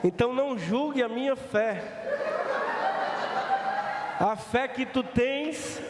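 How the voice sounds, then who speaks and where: A man's voice: very high-pitched, expressive, slow. A man with a Brazilian Portuguese accent preaching a sermon as pastor, fervent and joking, driving his points home by repeating them. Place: church hall. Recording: echoey church hall, faint noise.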